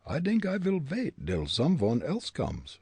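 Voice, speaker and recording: A man doing a young German trickster, raised pitch, husky, sly, amused, muttering, storybook character. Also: wildly swooping pitch, a little slow, a little mellow, dry recording, heavily acted. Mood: sly musing. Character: Fritz, mischievous young German ventriloquist sleuth.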